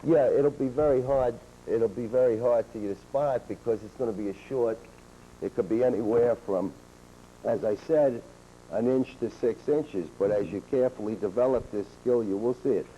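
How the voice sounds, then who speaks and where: A man with a very dark, mellow voice explains things in a steady, instructive way. His voice comes from an old VHS tape, muffled and dull with a faint hiss underneath. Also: medium pitch, normal speed. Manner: steady, matter-of-fact instructive delivery. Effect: old VHS tape sound. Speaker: law enforcement instructor. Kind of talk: explaining on a training video panel.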